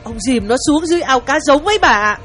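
A man's voice: very high voice, expressive, quick pace, pushed and bright, soft background music, pitched above the performer's own voice, heavily acted. A man doing a timid young servant girl. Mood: deferential. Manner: polite, hesitant, fretful. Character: young deferential female household servant.

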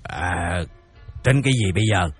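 A man playing a stern, grudging old father in a radio drama, with a gruff, dismissive way of talking. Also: low voice, moderate pace, soft background music. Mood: stubborn. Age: older.

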